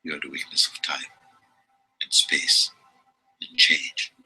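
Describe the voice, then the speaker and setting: A man giving a slow, meditative reading of spiritual teachings, measured and deliberate, with long pauses. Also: very deep voice, flat delivery, bright, forceful tone, breathy edge, in a whisper, rough recording.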